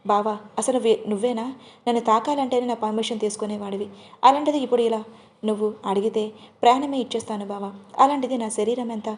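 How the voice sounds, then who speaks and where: A woman's voice: on the high side, fairly quick, darkish tone, close to an everyday voice. Woman reading a pleading, hurt young bride. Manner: pleading, earnest.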